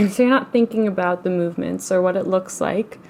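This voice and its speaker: Woman gently guiding a slow meditation. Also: lowish voice, vocal fry. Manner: gentle, unhurried, soothing with long pauses. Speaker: guided relaxation and meditation teacher. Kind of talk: guided meditation, slow instruction.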